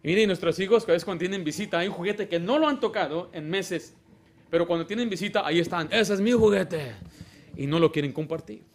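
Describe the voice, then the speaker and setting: A man preaching a sermon as pastor, animated, with sudden loud exclamations and quiet asides, and acting out other people in quoted lines. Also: high-pitched, quick pace. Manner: acts out children and church members in quoted lines.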